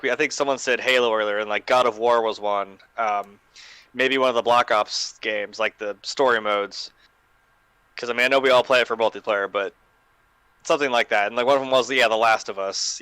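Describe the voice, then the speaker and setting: A man's voice: medium pitch, bright, forceful tone, dry recording, rough recording. A man in a casual panel discussion, talking in a rambling, discursive way. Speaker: podcast co-host or panelist.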